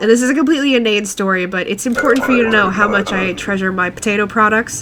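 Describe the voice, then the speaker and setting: Very fast speech with ordinary pitch variation comes through noticeable background noise. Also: woman. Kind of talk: casual let's play commentary.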